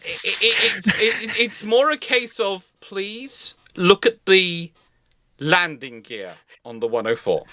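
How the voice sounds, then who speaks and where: High, crisp-voiced man on a dry mic. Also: lively intonation, takes it slowly, sharp tone, no room sound. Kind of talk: casual panel discussion of military history.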